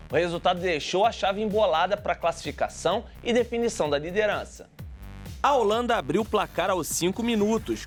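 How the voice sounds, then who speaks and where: Brief: male TV sports reporter, high-pitched, chatty, light music under. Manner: chatty asides to viewers.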